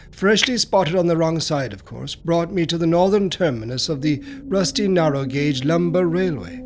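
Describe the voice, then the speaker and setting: A man reading a classic horror tale as a scripted, dramatic audiobook narration. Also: on the high side.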